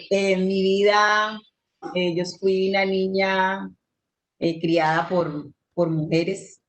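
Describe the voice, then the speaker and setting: Middle-aged woman from Chocó, dancer-teacher; slow, low-pitched, reflective storytelling on a panel. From Chocó, Colombia. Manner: warm, unhurried storytelling with many "eh" pauses. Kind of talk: panel talk, personal memories.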